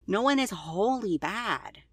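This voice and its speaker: A woman acting in an audio drama as an anxious, gentle twenty-year-old driver, hesitant and earnest, with stammered starts. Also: mid-range voice, animated, takes it slowly, slightly rough, no echo, clean studio sound, full character voice. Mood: anxious, distressed.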